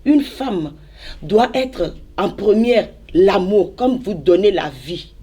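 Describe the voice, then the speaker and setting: An evangelist from Benin speaks, her voice sitting at an ordinary middle pitch for a woman. She exhorts her listeners in a preachy way, hammering her points home through repetition. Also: lively intonation, takes it slowly, mellow, husky. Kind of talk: exhortation in a church interview.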